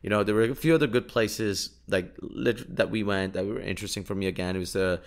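A man's voice: lowish voice, fairly even intonation, a little fast. A man whose first language is Urdu tells anecdotes in a casual, jokey monologue as a podcast host, with wry exaggeration.

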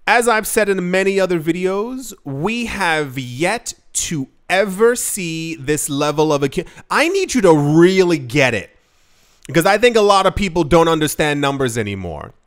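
A man's voice: fairly high pitch, sing-song, moderate pace. A man talking casually to camera as a crypto investing vlogger, earnest and emphatic, rambling with many fillers and restarts. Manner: earnest, emphatic, shifts pace often.

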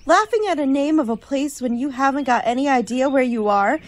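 A woman's voice: high-pitched, animated, fairly quick, slight background noise. A woman playing a sarcastic, complaining young college student in a radio play. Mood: sarcastic, grumbling. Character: grumbling, wisecracking young female college student.

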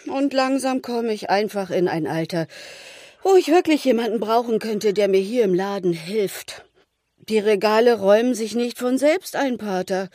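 An actress playing a chatty, ageing village shopkeeper in a radio play, homely, teasing and confiding. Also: female voice, medium pitch, moderate pace, mellow, no room sound, studio quality, lightly acted. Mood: resigned, weary. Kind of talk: German radio play acting.

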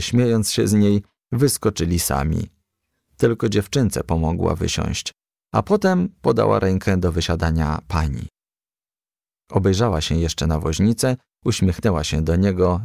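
A man reading a children's story aloud in a gentle storytelling manner. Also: deep voice, lively intonation, unhurried, gravelly, no echo, studio quality. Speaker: audiobook reader.

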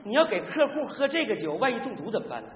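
High-pitched, hapless henpecked husband. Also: male voice, big pitch swings, fast. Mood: hedging, explaining. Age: middle-aged. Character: hapless, evasive middle-aged husband, henpecked factory worker. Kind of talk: stage comedy sketch acting. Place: large theater stage before a live audience. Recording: echoey theater stage, muffled, noisy.

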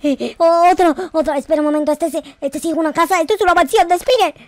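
A man voicing a naive, whiny, excitable young boy in a gaming roleplay, melodramatic and exclaiming, repeating his words. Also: extremely high pitch, fast talker, no echo. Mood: amazed, excited. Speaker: gaming video creator. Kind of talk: excitable gameplay roleplay in slangy speech.

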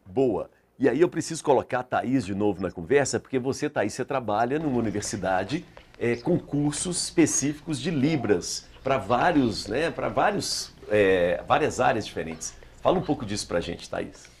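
A middle-aged man hosting a TV talk show, lively and affirming as he steers the conversation, in a studio on a lapel mic. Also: mid-range voice, moderate pace, slight background noise.

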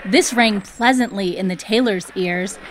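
A woman host reading scripted storybook narration in a clear storytelling delivery. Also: medium pitch, a little slow, a little hiss or hum.

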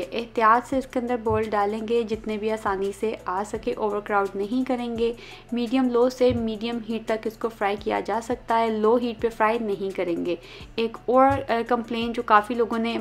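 A woman hosting a cooking channel, talking viewers through a recipe in a chatty, explanatory voice-over. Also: on the high side.

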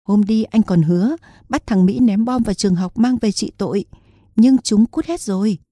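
A woman's voice: mid-range voice, normal speed, warm tone, no echo, clean studio sound, close to an everyday voice. A woman voicing a young male soldier back from the war, earnest and pleading, in an audiobook reading. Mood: cheerful.

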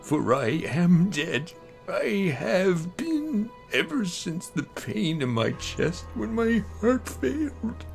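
A man's voice: high voice, sing-song, slow pace, vocal fry, faint music behind. A man narrating a horror story in the first person, theatrical and brooding as an amateur voice actor.

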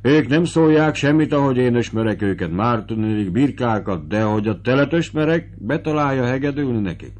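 A man's voice: medium pitch, few pauses, a little mellow, a little hiss or hum, pitched above the performer's own voice, close to an everyday voice. A man voicing a fat, humble old estate steward who speaks in broken, ungrammatical phrases. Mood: humble, fretful.

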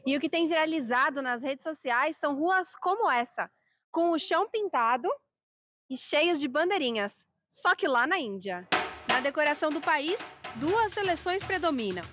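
A woman's voice: high voice, expressive, normal speed, fairly bright tone. A woman with a Brazilian accent giving scripted news narration as a reporter. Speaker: news reporter and voice-over translator. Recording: music behind the voice. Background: music.

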